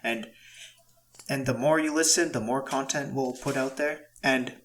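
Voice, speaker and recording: A man's voice: medium pitch, fairly even intonation, unhurried, fairly bright tone, slight background noise. A man co-hosting a casual podcast chat, hesitant and questioning, with many restarts and fillers. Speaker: podcast co-host. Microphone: home podcast mic recorded in audio software.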